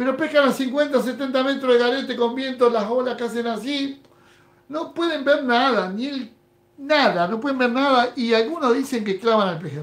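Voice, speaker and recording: A man's extremely high voice with ordinary pitch variation, at a moderate pace. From Argentina. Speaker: fishing YouTuber and former radio host; fishing YouTuber, former radio host. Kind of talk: live stream chat. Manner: casual, conversational. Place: home room. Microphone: webcam.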